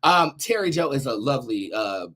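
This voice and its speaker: A man's voice: mid-range voice, very animated, moderate pace, heavy background noise. A man hosting a livestream, talking in a sassy, theatrical way with plenty of swearing and motivational chat. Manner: sassy, theatrical, foul-mouthed. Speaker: host of a tarot livestream show.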